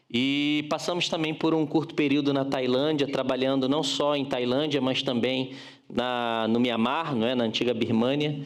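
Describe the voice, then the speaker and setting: A man with a Brazilian accent talks at a moderate pace in a fairly high voice, his intonation fairly even and his loudness very even, with audible room echo around him. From Brazil, Rio de Janeiro. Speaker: missionary preacher. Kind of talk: sermon. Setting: church. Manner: halting.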